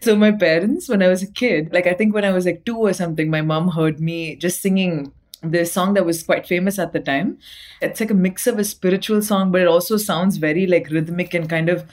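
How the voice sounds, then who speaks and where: Young woman guest, low-pitched, chatty and laughing, casual remote interview. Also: steady tone, a little fast, a little mellow. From Dubai. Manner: chatty, laughs often, many fillers. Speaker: guest singer-songwriter.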